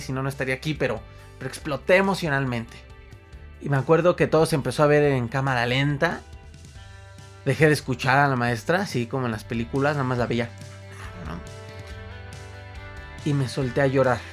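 A young man with a Mexican accent telling an emotional personal story to an audience, animated and repeating words for emphasis. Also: medium pitch, fairly quick, long pauses, faint music behind.

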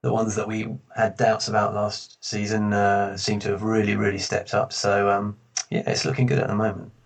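Gravelly man in a big echoey hall. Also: fairly low pitch, moderate pace. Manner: relaxed, rambling, many restarts. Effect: echoey sound like a big hall. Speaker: fan blogger guest. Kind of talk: casual football chat. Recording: echoey room, far from the mic.

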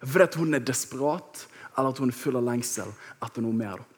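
A man in his thirties preaching a sermon, telling a personal story with lively, acted-out moments. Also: mid-range voice, breathy edge. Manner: lively storytelling, acts out shouting.

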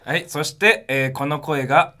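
A young man co-hosting a comedy radio show, with deadpan delivery and absurd asides. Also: fairly high pitch, moderate pace. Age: young adult. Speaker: co-host.

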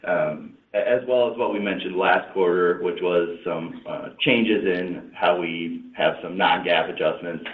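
A man speaking as a finance executive on an earnings call, explaining business matters off the cuff and often restarting phrases. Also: deep voice. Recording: muffled roomy phone conference line.

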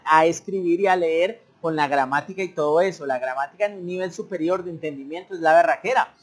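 A man giving a casual, repetitive language lesson, sometimes acting out beginners' broken speech. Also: fairly high pitch. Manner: conversational, repetitive, acts out learners' broken speech. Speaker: English teacher. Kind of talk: informal teaching monologue.

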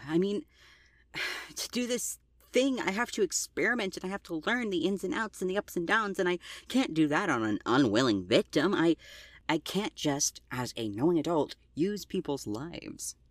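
A woman plays an anxious young driver in an audio drama. The voice is low and swings widely in pitch, earnest and gentle, with halting, stammered phrases. It is recorded very dry. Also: big pitch swings, no room sound. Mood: anxious, distressed. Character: anxious, gentle twenty-year-old driver with magic.

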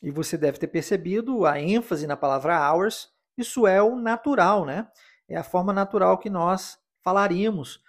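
A Brazilian man hosting a podcast English lesson, explaining in Portuguese and slowly repeating English phrases to practise. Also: high voice. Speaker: English teacher and podcast host.

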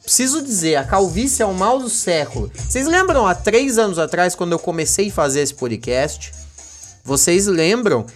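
A man hosting a casual solo podcast, rambling and joking, swinging between low mumbles and excited high bursts. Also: moderate pace, soft background music. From Brazil. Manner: rambling, joking, addresses his dog as co-host. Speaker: podcast host.

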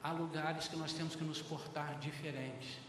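An older man with a Brazilian Portuguese accent, preaching a sermon as a pastor, lively and acting out conversations while calling the congregation brothers. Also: on the high side, moderate pace, background noise. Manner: lively, acts out dialogues, often addresses the congregation as brothers. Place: large church hall. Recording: very echoey hall, heard from far off.

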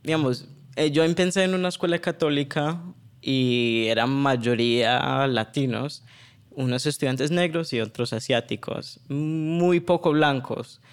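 A man, talking as a podcast guest and pausing often with fillers and restarts. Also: mid-range voice, clear, resonant tone. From New York, United States. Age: 20s. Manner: hesitant, many fillers and restarts. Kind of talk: casual conversational interview.

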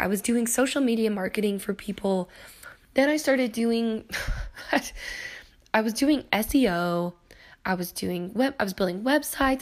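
A woman in her thirties hosting a solo podcast, telling her own story in a chatty way with a hoarse voice that keeps cracking, laughing often and wandering onto tangents. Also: a little high. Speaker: podcast host.

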